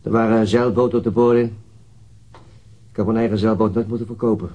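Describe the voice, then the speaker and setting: An actor playing a tired, brooding police detective in a radio drama, understated and hesitant in manner. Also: male voice, on the low side, flat delivery, a little fast, dark tone, lo-fi sound, natural voice. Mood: grumpy, tired. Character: tired, brooding male police detective leading a murder inquiry. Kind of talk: radio drama acting, naturalistic.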